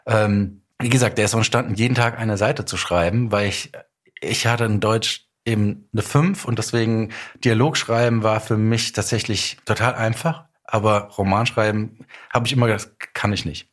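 A man's voice: fairly low pitch, steady tone, moderate pace. Chatty man telling anecdotes. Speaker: guest author of audio dramas and a novel. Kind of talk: casual podcast interview chat.

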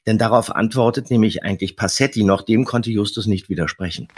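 A man's voice: fairly low pitch, brisk, breathy edge. A man talking casually as a podcast co-host. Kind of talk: casual chat.

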